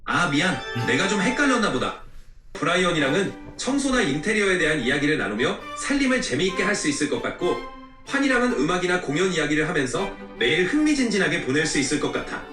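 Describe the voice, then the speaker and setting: A man's voice: fairly high pitch, very animated, quick pace. A male synthetic assistant voice giving informative answers in a conversational style. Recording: roomy echo, loud music behind.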